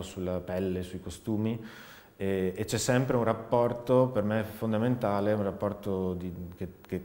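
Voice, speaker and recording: Male artist, 30s, low voice, thoughtful and halting interviewee, echoey studio. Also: darkish tone. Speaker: multimedia theater artist. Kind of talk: reflective interview monologue. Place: large dark indoor studio, seated. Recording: echoey, reverberant empty studio.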